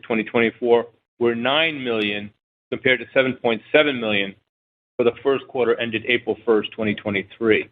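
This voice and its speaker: Narrow telephone sound, male finance officer, middle pitch, formal factual recitation, scripted earnings report. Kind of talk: scripted financial results reading. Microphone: phone conference call. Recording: thin narrow-band phone line.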